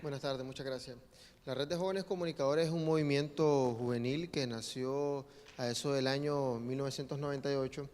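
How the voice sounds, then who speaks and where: A man's voice: mid-range voice, steady tone, fairly quick, darkish tone. A young Nicaraguan man giving formal, articulate panel remarks in long, structured sentences. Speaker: panel guest, youth communications organizer. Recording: long reverb of a hall.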